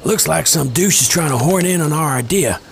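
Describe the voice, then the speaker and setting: A sardonic, crude small-time hustler in a podcast drama, tossing off slangy wisecracks. The voice is creaky and animated, with faint crickets in the background. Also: male voice, fairly high pitch, fairly quick, slight background noise. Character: sardonic, foul-mouthed slacker hustler, casually protective.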